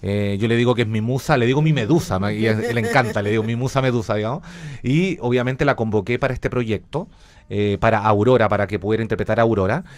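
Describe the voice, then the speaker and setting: A man's voice: on the low side, quick pace. Reflective Chilean man in a radio interview. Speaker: interview guest, journalist and radio theatre director.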